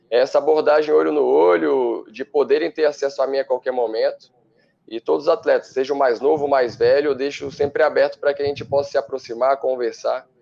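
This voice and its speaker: A man, a football coach on a studio interview, who explains his views fluently and in a measured way. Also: mid-range voice, creaky, darkish tone, lo-fi sound. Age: 30s.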